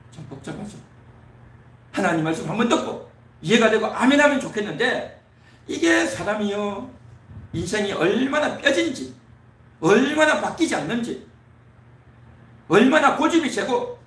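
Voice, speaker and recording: Male pastor, high bright voice, lively delivery, preaching in a church, echoey and off-mic. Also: moderate pace, long pauses, recorded from a distance. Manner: preaching with rising emphatic repetition. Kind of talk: sermon. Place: church sanctuary.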